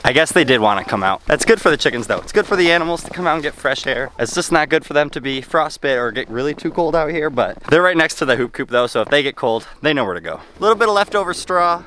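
A man's voice: a little high, animated, fast, few pauses, pushed and bright, slight background noise. A young man chatting casually to camera while doing farm chores outdoors in the snow, upbeat and friendly, holding the camera at arm's length. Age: young adult. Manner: upbeat, chatty, talks to his animals. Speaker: homesteading vlogger. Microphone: handheld camera at arm's length.

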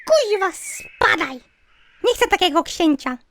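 A woman's voice: extremely high pitch, lively intonation, slow, background noise, full character voice. A woman voicing a bossy, short-tempered young cartoon princess, sarcastic and impatient. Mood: impatient, irritated.

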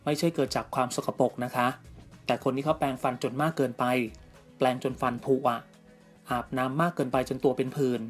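A man narrating an entertainment news story in a steady, scripted reading voice. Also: mid-range voice, fairly quick. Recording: music bed faint underneath.

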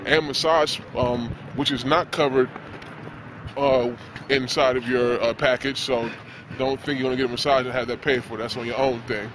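A man's voice: mid-range voice, fairly even intonation, moderate pace. A young man giving a casual, joking walk-through tour in informal slang, recorded on a handheld camera. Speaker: vlog host giving a facility tour. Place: on the move outdoors, in a locker room and in a large indoor pool hall. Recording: noisy handheld camera, heavy ambient noise.

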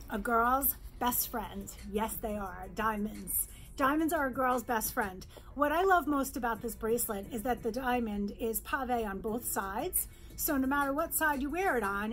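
A middle-aged woman from New York, a jewelry designer, presenting her bracelets in a bright, chatty sales pitch in her showroom, close to the camera. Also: a little slow, slight background noise. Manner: upbeat, chatty sales pitch, holds up pieces. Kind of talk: virtual trade show product presentation. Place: indoor showroom with jewelry displays.

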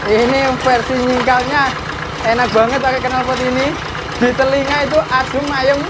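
A man, talking through a casual, excited, slangy vlog outdoors in a rice field. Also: very high voice, moderate pace, very noisy. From Indonesia. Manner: excited, slangy, calls viewers "boy". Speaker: vlogger. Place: outdoors in a rice field beside a running tractor.

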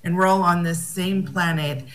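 A woman's voice: on the low side, fairly even intonation, normal speed, a bit bright. An American woman speaking at an academic conference over a video call, thoughtful and often rephrasing herself. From United States.

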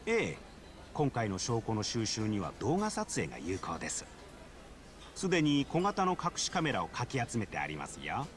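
An actor playing a nerdy, pedantic detective in a video game drama, with grandiose, precise and polite delivery. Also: male voice, lowish voice, wildly swooping pitch, normal speed. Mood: confident, scheming.

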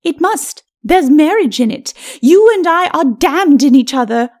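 A woman's voice: high voice, expressive, a little slow, darkish tone. A woman voicing a scornful, embittered skeleton wife in a storybook, with arch, cutting, formal archaic speech. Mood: bitter. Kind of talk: storybook character acting.

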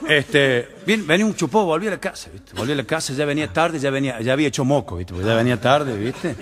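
A male comedian from Córdoba with a Cordobés Argentine accent, telling drunk jokes in an animated way and often tagging lines with "¿viste?". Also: medium pitch, quick pace. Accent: Cordobés Argentine Spanish. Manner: animated storyteller, slurring drunk impressions, frequent "¿viste?". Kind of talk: stand-up joke telling with audience laughter. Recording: noisy live recording.

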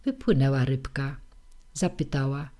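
A woman reading a verse fairy tale aloud as an audiobook narrator, in a measured storytelling manner. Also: rumbling low, lively intonation, mellow. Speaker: audiobook reader.

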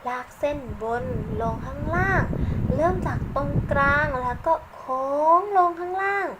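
A woman teaching young children English letters in a gentle, patient, praising way. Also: high voice, unhurried, noisy background. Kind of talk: children's lesson, slow and encouraging.

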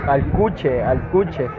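A young man in a deadpan, teasing manner, speaking outdoors in a plaza. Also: mid-range voice, very slow, a crowd in the background, background noise. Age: young adult. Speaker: prank partner. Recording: tinny lo-fi audio, from far off, music behind.

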